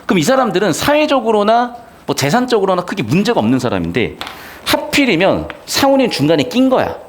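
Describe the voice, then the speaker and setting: A man's voice: high voice, huge pitch swings, fast talker, a little hiss or hum. A man in his thirties, a literature teacher giving a casual, chatty lecture with slangy asides.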